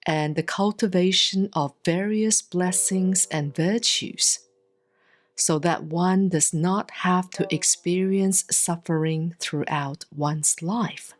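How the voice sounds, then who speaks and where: A woman giving a solemn, scripted reading of scripture in measured, deliberate phrases with frequent pauses. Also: fairly low pitch. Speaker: sutra reader, Buddhist nun.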